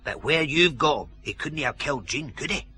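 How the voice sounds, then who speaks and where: A sly, chuckling old Glasgow ex-housebreaker in a radio detective play. His voice has a sharp, bright edge and rises and falls a lot. He speaks with a Scottish accent and wheedles for drinks. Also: a little high, lively intonation, a little fast, slight background noise. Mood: wheedling. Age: older. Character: wily old Glasgow ex-burglar, fond of whisky. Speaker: dead woman's uncle, ex-housebreaker. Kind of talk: radio drama acting.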